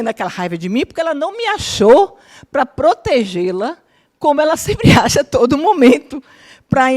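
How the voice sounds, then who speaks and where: A woman around fifty, a psychologist teaching a spiritist course, tells personal family stories to a live audience, keeps asking whether they follow, and acts out what her relatives said. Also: fairly high pitch. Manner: lively, keeps checking in with listeners, acts out quoted family members. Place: lecture room with a live audience.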